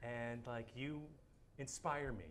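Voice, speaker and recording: A man's voice: medium pitch, fairly even intonation, slow, fairly bright tone, slight background noise. A man performing improvised comedy on stage, jokey, with mumbled asides. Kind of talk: improvised comedy scene and song. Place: small theater stage.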